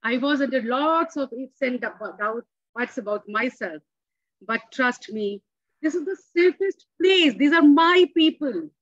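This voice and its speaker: A woman in her forties whose first language is Hindi speaks with earnest emphasis, her voice a touch high. The video call audio is dull and lo-fi, and the sound is dry and close. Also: animated, a little slow, dry recording. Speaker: club member answering a table topic. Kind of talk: impromptu speech. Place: home room.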